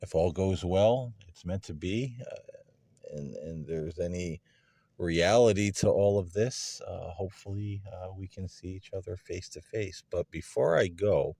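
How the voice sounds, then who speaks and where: A man hosting a paranormal session, speaking unscripted and addressing unseen beings with polite, hesitant questions and pauses. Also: low voice, gravelly, mellow, dry recording. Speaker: paranormal investigator hosting a spirit communication session.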